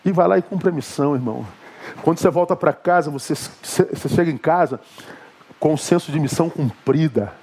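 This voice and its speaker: Emphatic Brazilian pastor, high husky voice. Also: male voice, fairly quick, darkish tone. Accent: Brazilian Portuguese. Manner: emphatic preaching with asides to the congregation. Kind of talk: sermon.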